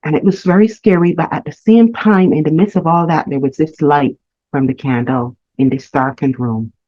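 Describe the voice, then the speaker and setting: A woman from Barbados, telling her life story as a guest, earnest and reflective with halting restarts. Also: deep voice, dark tone, no echo. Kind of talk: candid personal storytelling. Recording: slightly muffled lo-fi audio.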